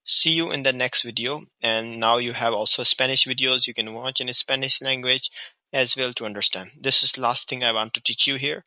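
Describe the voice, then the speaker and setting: A man's voice: medium pitch, steady tone, moderate pace, pushed and bright, no room sound, poor audio. A man with a South Asian accent giving an informal, instructional app tutorial, often repeating short phrases and checking that the listener follows. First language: Hindi or Urdu. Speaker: app reviewer and tutorial host.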